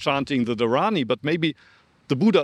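With a German accent, a man speaks against a quiet background in a dry, close sound with no echo. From Germany. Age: 50s. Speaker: Zen monk, former temple abbot. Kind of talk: casual interview.

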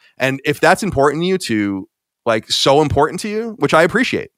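A man speaks with an American accent. His fairly high pitch moves in very wide swings. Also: dry, close sound with no echo. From Long Island, New York. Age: 30s. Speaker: podcast host and media owner. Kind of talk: interview. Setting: remote recording.

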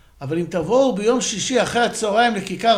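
A man's extremely high voice with lively intonation and audible room echo. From Israel, Jerusalem. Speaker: podcast co-host. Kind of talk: casual interview.

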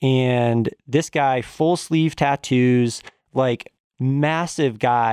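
Against a quiet background, a man with an American accent talks in an unremarkable speaking voice at medium pitch with ordinary pitch variation. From Connecticut, US East Coast. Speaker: critical care physician. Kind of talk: casual interview. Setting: studio.

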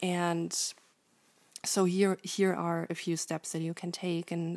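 Recorded very cleanly over a silent background, a woman with a German accent speaks fairly slowly in a fairly low pitch for a woman. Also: dry, close sound with no echo. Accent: German accent, trouble with th sounds. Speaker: podcast host, spiritual life coach. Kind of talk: solo podcast monologue. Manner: frequent fillers (um).

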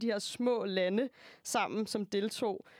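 A woman's fairly high pitch, very slow pace and fairly even intonation. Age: 20s. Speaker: student radio host. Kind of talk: casual chat.

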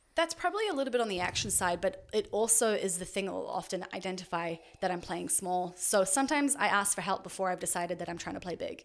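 Very fast speech from a woman, with noticeable background noise. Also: medium pitch for a woman, lively intonation, hardly any pauses. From Auckland, New Zealand. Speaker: CrossFit athlete and coach. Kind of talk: casual interview conversation.

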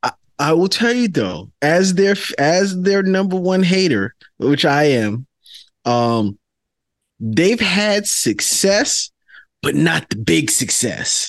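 A man with a New York accent speaks at a very slow pace in a high voice, his pitch swinging very widely while his loudness stays very even, with long, frequent pauses. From New York City (the Bronx). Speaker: sports podcast co-host. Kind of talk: casual chat.

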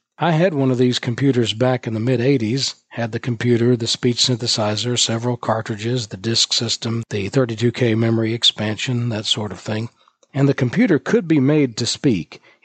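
In a Southern US accent, a man talks at a fairly quick pace with hardly any pauses. His pitch sits in the medium range. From US South, Georgia. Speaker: blind listener, computer hobbyist. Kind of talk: recorded audio contribution, software demo.

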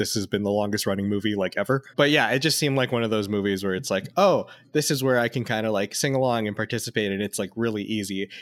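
The speaker has an American accent and talks at a very fast pace with hardly any pauses. Pitch variation is ordinary. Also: man, fairly low pitch for a man. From Las Vegas, Nevada, US. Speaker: movie podcast co-host. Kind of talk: casual chat.

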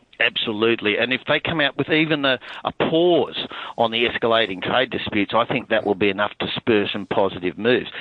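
A man with an Australian accent, medium in pitch, at a fairly quick pace with ordinary pitch variation. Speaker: market strategist. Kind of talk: interview. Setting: phone call.

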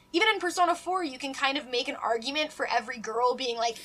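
A woman's raised, projected voice with an American accent, high in pitch, bright and sharp in tone, with lively intonation at a fairly quick pace. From US Midwest. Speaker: gaming podcast guest. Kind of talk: casual chat. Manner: animated.

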